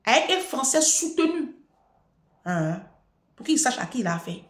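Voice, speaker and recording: A middle-aged woman vlogging, telling a story and giving advice in an emphatic way, repeating her phrases and rising to near-shouting at her peaks. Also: high-pitched, very animated, normal speed, reverberant. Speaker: vlogger answering a viewer.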